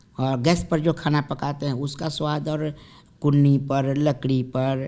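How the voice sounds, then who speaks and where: A man speaks with a Bihari accent at a fairly high pitch. His tone is dark and mellow. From India, Bihar (Muzaffarpur). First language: Bhojpuri (speaking Hindi). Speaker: actor. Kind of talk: interview.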